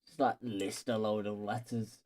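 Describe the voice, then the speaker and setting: Mellow-voiced man casually commentating a game. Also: fairly low pitch, little pitch movement, moderate pace. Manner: thinks aloud in short, offhand remarks. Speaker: streamer playing an air traffic control game.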